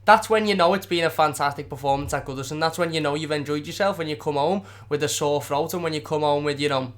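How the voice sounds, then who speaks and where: Hoarse, fast-talking lad. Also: male voice, fairly high pitch. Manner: passionate, rambling, many repeated words. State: hoarse, sore throat. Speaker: football fan channel host. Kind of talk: live-stream match review. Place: at home.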